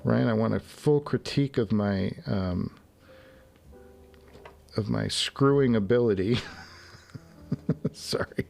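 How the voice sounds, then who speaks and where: A man's voice: on the low side, measured pace, gravelly, long pauses, darkish tone, soft background music. A man hosting a casual live stream, muttering to himself and chuckling as he assembles headphones. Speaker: livestream host. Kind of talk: casual live-stream chat while working. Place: home garage studio.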